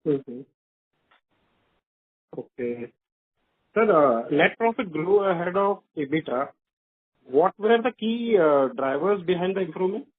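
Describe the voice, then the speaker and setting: A man's voice: sits high, animated, measured pace, long pauses, breathy edge. A man calling in with formal questions on a conference call. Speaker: caller asking questions. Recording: narrow, tinny phone line.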